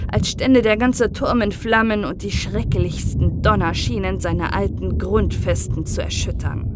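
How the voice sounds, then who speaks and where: A woman narrating a fairy-tale audiobook in a calm, measured bedtime reading. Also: medium pitch, noisy background. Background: soft background music.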